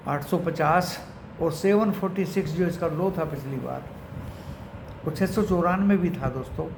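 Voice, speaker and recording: A stock market commentator and channel host with an Indian accent talks to his viewers unscripted about the markets, mixing in English phrases and treating them like friends. His voice is a little high and a little mellow, recorded in an echoey room with clear background noise.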